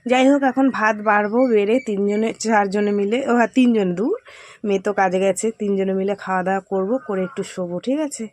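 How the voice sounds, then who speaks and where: A woman's voice: mid-range voice, steady tone, fast talker, darkish tone, no echo. Chatty Bengali woman vlogging her chores. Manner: chatty, addresses viewers directly. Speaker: home vlogger. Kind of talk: casual narration of household chores. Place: small home, indoors.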